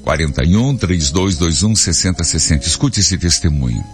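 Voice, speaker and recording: A man's voice: low voice, expressive, moderate pace. A Brazilian man, a Catholic priest hosting a radio call-in show, preaching in an emphatic, colloquial, fatherly scolding manner full of rhetorical questions. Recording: radio broadcast with faint music behind. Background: faint music.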